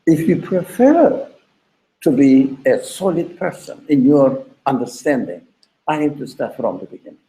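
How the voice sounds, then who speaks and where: A man's voice: mid-range voice, big pitch swings, measured pace, mellow. A man giving an informal religious lecture in a didactic, conversational way, with examples and rhetorical questions. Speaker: religious teacher leading a class. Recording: echoey room.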